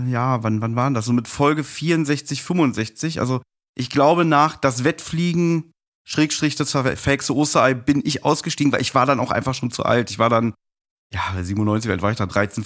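A man of forty telling personal stories casually as a guest on a podcast. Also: medium pitch. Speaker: podcast guest, fan of audio plays.

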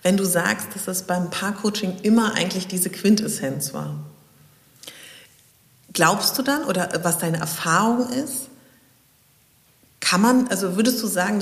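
A woman's voice: mid-range voice, normal speed, echoey room, in a large hall. A woman, a coach hosting the interview, asking long winding questions and backing her guest with frequent short affirmations. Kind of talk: conversational interview.

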